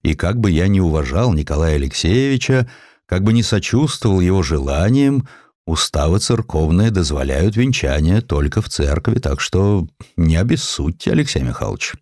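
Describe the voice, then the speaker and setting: Male narrator as senior clergyman, low voice, swooping intonation, formal, courteous and sly, storybook style. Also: sing-song, moderate pace, darkish tone, no room sound, studio quality. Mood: firm, courteous. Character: shrewd, courteous old male church metropolitan.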